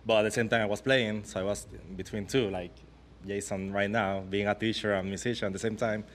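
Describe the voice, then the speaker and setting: A man from Rico, a bass player chatting in an interview in an easygoing way with many pauses and fillers. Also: fairly even intonation, a little hiss or hum. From Puerto Rico. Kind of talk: casual interview chat.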